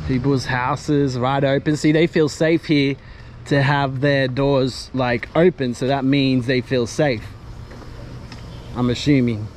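A man's voice: medium pitch, fairly even intonation, takes it slowly, a little mellow. A man walking and chatting as a travel vlogger outdoors, laughing often and dropping in a few Spanish greetings. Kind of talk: casual walking commentary. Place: outdoors on a sunny residential street. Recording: street noise behind.

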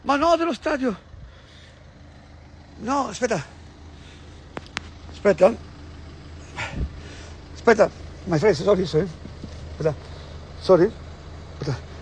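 A man, vlogging outdoors on a city street, agitated and swearing constantly, repeating himself with bursts of shouting. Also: high voice, expressive, slow, pauses often, slight background noise. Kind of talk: ranting street vlog.

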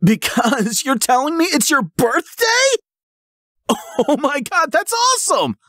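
A young man playing a goofy, excitable, reckless jock boyfriend in a roleplay audio drama, rambling eagerly and stammering. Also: very high voice, unhurried, no room sound, studio quality, full character voice. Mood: thrilled.

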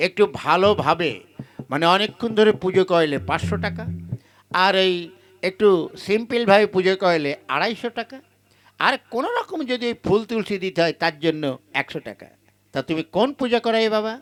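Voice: medium pitch, animated, brisk, lightly acted. A performer voicing a greedy, thieving Brahmin priest puppet in a Bengali folk comedy, by turns muttering and calling or chanting. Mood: pompous. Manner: calls out for customers, mutters slyly, botches chanted mantras. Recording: loud music behind the voice. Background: music.

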